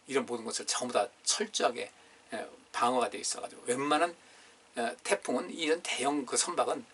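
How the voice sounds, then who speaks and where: Pastor guy giving a friday prayer sermon, bright husky voice, mic kinda far off in the church. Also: fairly high pitch. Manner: conversational preaching, asks the congregation questions; reads scripture aloud. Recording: distant, room-miked sermon recording.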